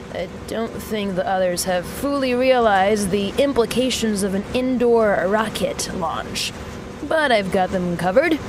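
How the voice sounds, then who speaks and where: A woman playing a brash genius mechanic, unhurried, noisy surroundings. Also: mid-range voice, natural voice. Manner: wry, self-interviewing, casually sweary. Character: brash, self-assured young genius woman mechanic building a rocket. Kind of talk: audio drama monologue as spoken recording.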